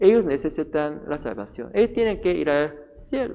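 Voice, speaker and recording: Talking at a fairly slow pace, a man speaks with a non-native accent. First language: not Spanish (speaking Spanish). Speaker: pastor. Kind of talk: sermon. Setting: church. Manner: halting, with many filler sounds.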